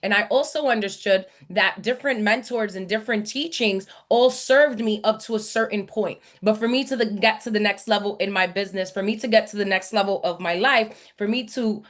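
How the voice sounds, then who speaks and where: A woman's voice: medium pitch, moderate pace. Motivational woman coach presenting online. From born in the Dominican Republic, grew up in New York City and South Florida. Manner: motivational, emphatic, repeats phrases for emphasis. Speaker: business and brand coach hosting a masterclass. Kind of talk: live online masterclass presentation.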